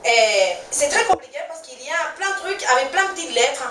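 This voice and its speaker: A woman's voice: sits high, sing-song, brisk, a loud crowd. A woman from Venezuela with a Venezuelan Spanish accent, a native Spanish speaker in her twenties, doing a chatty, self-mocking stand-up show and laughing at her own jokes. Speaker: stand-up comedian. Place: stage in a small venue with a live audience. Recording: echoey room from far off, noisy.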